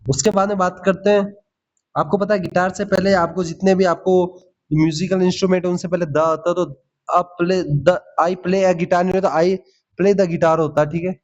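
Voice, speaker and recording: A man with a fairly high voice teaches English grammar in for exam prep. He is lively and keeps checking in with "ठीक है?" and calls his students "भाई". The audio sounds a little dull and lo-fi. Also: moderate pace. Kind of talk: Hindi grammar lesson with English examples.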